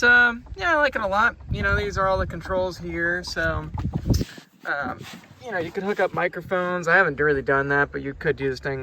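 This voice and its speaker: Casual male product reviewer, slightly high gravelly voice, laid-back and hesitant, unscripted. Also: noisy background. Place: outdoors on a boat on a lake.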